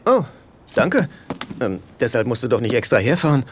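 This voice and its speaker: A man's voice: mid-range voice, sing-song, normal speed, close to an everyday voice. An actor in a German-dubbed sitcom playing a nervous, self-pitying, broke middle-aged man, hesitant and wry. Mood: wry, awkward. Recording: very noisy TV soundtrack rip.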